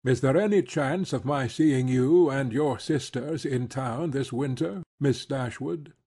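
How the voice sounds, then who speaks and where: A man playing a courteous, reserved gentleman colonel in a dramatised classic novel, formal and restrained, with a husky voice. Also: mid-range voice, unhurried. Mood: polite, grave.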